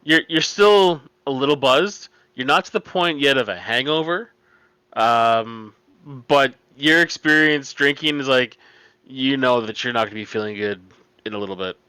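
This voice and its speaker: A man's voice: mid-range voice, normal speed, sharp tone, clear, resonant tone, no room sound. Casting: man as tabletop game master, forward clean tone, describing scenes to players. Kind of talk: narrating a tabletop role-playing game.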